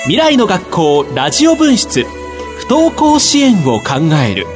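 A man announcing in a scripted radio program, reading in a clear, measured way. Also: sits high, huge pitch swings, music in the background.

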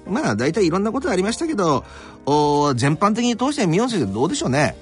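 Lively fast-talking man from Kanto. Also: high-pitched, soft background music. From Kanto, Japan. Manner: animated storytelling with many fillers. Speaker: radio interviewer. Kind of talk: casual radio talk.

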